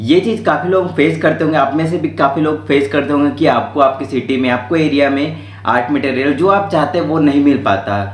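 A man's voice: a little high, brisk, reverberant. A young man in his twenties from central India, chatting casually as he hosts a vlog about the art supplies he bought. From Raipur, Chhattisgarh, India. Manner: chatty and informal, mixing English words into Hindi. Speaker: art channel host. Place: small room with art supplies, indoors.

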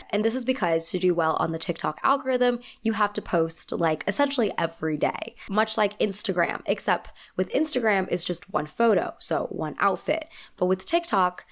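A young woman in her twenties with a congested, slightly nasal voice from a cold, talking into a handheld mic in a small room in a wry, opinionated scripted video essay with emphatic asides. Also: lowish voice. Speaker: fashion commentary host. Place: small indoor room with lamp and plant. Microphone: handheld mic held close.

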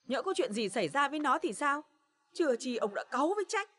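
A woman's voice: high-pitched, big pitch swings, fast, a bit bright. An actress playing a worried older grandmother who frets and pleads in a television drama. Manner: fretful and pleading. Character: worried grandmother, anxious and tearful. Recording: television drama with clear background noise.

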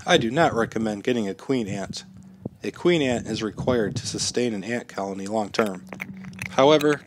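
A man in his thirties hosting a how-to channel, narrating step-by-step instructions in a steady, plain way while slightly sick. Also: mid-range voice, a little hiss or hum. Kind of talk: scripted how-to voice-over.

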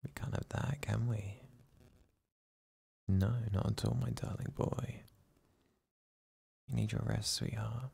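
A man voicing a doting, possessive boyfriend in an ASMR roleplay who whispers slowly to lull the listener to sleep. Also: fairly low pitch, fairly even intonation, full character voice. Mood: soothing. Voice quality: whispery, gravelly, breathy. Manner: slow, soothing, coaxing hush.

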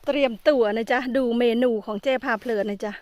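A woman's voice: on the high side, a little fast, a little mellow. A woman with an Isan Thai accent chatting casually as she vlogs outdoors in a forest, exclaiming often. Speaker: vlogger. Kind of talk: casual vlog narration.

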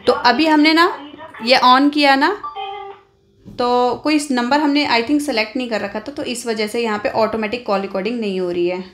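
A woman's voice: a little high, fairly even intonation, normal speed, a bit bright, soft background music. An Indian woman hosting an informal phone tutorial, explaining step by step and often adding little check-in tags. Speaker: tech tutorial host.

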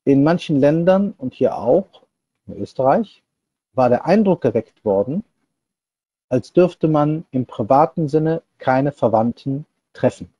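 A middle-aged man preaching an explanatory sermon in a measured, deliberate manner. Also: medium pitch, animated, mellow, slightly rough, dry recording, highs cut off. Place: small indoor room, seated before a screen divider. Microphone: wired earphone headset on a video call setup.

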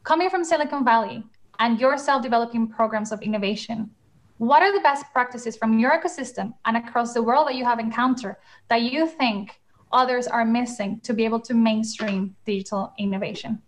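A woman's voice: a little high, brisk. A young woman hosting a panel over a video call, upbeat and enthusiastic, with frequent fillers. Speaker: panel moderator. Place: home room, in England.

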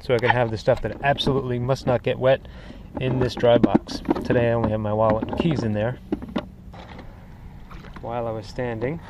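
Standing in shallow water next to his kayak, a man narrates an easygoing show-and-tell of his fishing gear, a little fast, in a mid-pitched voice full of "uh" fillers. The audio comes from an action camera mounted on the kayak and is noisy with wind and water.

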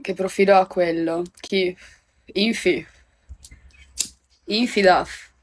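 Slow and steady in tone, with a lowish voice, this young livestream host chats casually with her viewers over her phone from home. She swears and laughs frequently.

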